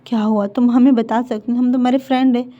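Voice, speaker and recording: A woman's voice: on the high side, fairly even intonation, quick pace, warm tone, natural voice. A woman voicing a prying, teasing young female college friend, in a dull lo-fi recording. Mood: curious.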